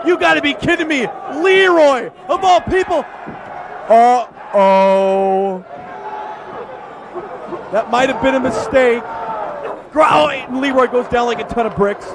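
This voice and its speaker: A man giving excited, exclamatory live wrestling commentary as play-by-play announcer, often shouting. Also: very high voice, moderate pace, vocal fry. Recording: noisy arena, loud crowd. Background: loud wrestling crowd.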